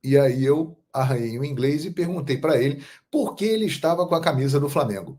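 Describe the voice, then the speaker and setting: A man from Brazil hosting a football channel, telling stories in a measured, emphatic monologue. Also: a little high, lively intonation, darkish tone. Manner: measured, storytelling, emphatic on key phrases. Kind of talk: casual monologue to camera.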